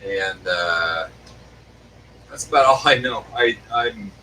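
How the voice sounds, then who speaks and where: Laid-back man, bright voice, distant mic. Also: fairly low pitch, lively intonation, slow. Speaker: co-host of a live stream. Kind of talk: casual chat. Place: workshop. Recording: distant mic with faint background noise.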